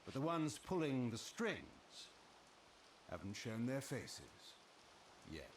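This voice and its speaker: An actor playing a scheming ancient vampire lord in a video game, with a grave, deliberate, theatrical delivery. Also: male voice, mid-range voice, very animated, reverberant, a little hiss or hum. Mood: sardonic, knowing. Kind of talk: dramatic video game voice acting.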